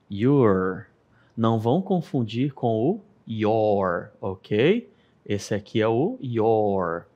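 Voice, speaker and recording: A man's voice: lowish voice, darkish tone. A man with a Brazilian Portuguese accent teaching an English lesson on air, patiently explaining step by step and often checking in with "ok?". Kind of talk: televised classroom lesson.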